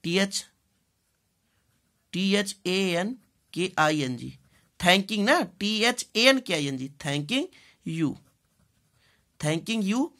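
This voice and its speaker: With a lowish, animated, slightly bright voice, a woman with an Indian accent teaches English bilingually. She makes a point of repeating phrases, spelling out words, and checking in regularly.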